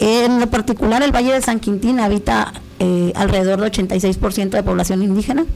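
Noticeable background noise runs under a woman's medium-pitched voice. She keeps a moderate pace, very even loudness and ordinary pitch variation. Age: 20s. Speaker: guest, state congress adviser. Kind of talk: interview conversation.

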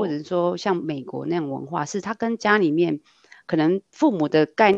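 Fairly quick speech comes through with a dry, close sound with no echo against a quiet background. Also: woman. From Taiwan. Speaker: guest sharing life experience. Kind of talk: casual chat. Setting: remote recording. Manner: hesitant with many fillers.

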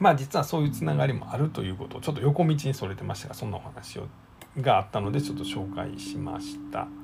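Over music in the background, a man with a fairly low pitch talks at a very fast pace. His pitch swings very widely and his loudness rises and falls sharply. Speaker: true crime podcaster. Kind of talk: casual solo narration. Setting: home recording in own room. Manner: filler-heavy, hesitant.

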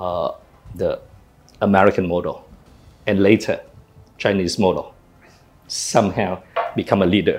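A man with a Vietnamese accent talks at a moderate pace, breaking often into long pauses. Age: 40s. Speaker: businessman and guest talk show host. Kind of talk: interview.

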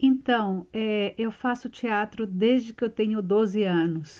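A woman's very slow delivery with fairly even intonation. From Colombia. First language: Spanish (speaking Portuguese). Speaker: actress. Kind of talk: interview.

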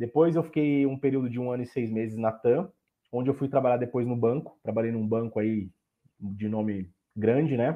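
A man uses a normal speaking voice at medium pitch, talking at a moderate pace. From São Paulo, Brazil (Itaquera, east side). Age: 30s. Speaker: real estate agency owner. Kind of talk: casual interview.

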